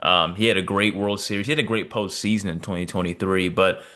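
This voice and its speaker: Low-voiced man co-hosting a sports podcast. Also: steady tone, quick pace, sharp tone. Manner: disappointed, talks with fillers and asides. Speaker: podcast co-host. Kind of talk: casual sports podcast chat.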